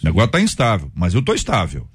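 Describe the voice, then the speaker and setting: Male host with an animated, swinging pitch, reflective and full of imagery. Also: fast, breathy edge. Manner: reflective, uses vivid imagery. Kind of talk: Christian radio discussion panel.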